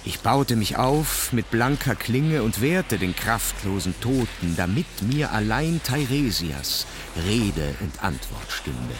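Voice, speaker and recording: An actor playing a solemn ancient seafaring king who recounts his voyage in measured, incantatory verse for a radio play. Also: lowish voice, very animated. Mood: grim. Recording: clear background noise.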